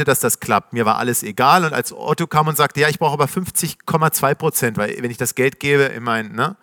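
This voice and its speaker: A middle-aged man telling his founder story to a live audience in a casual, slangy, animated way, acting out the voices of the people he quotes. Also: a little high, dry recording, clean studio sound. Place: stage before a live audience.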